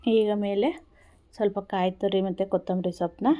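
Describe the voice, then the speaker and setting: In this casual cooking video, a woman with a Kannada accent guides her audience through a recipe unhurriedly, going over simple steps more than once. Her mellow voice sits at medium pitch with fairly even intonation and a brisk delivery.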